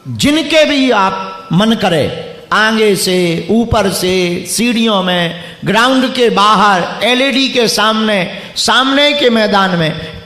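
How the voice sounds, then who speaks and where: A man's voice: high-pitched, a bit bright, echoey room. A preacher addressing a live crowd in a packed stadium, teasing and bantering with people he calls up. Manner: teasing, bantering with audience members. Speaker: preacher leading a religious gathering.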